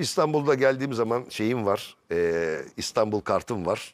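Lively intonation at a moderate pace, in a dry sound with no echo against a quiet background. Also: man. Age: 60s. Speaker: jazz pianist; talk show guest. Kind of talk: interview. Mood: relaxed, cheerful. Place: studio. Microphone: lapel.

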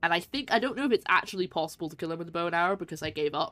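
A woman is speaking. She has a Scottish accent. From Scotland. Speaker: streamer. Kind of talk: casual livestream gameplay commentary. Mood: reflective, slightly rueful. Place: home room.

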